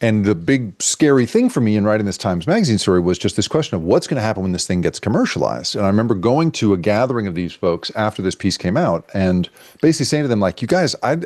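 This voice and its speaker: Low-voiced man telling a story. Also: dry recording. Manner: animated, halting with restarts and fillers. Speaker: guest journalist. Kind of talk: casual storytelling interview.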